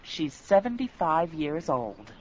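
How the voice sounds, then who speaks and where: Older woman, low, lively; lo-fi dialogue recording. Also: slow pace. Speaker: dialogue speaker in a language lesson. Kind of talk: scripted dialogue. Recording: dull lo-fi recording with faint noise.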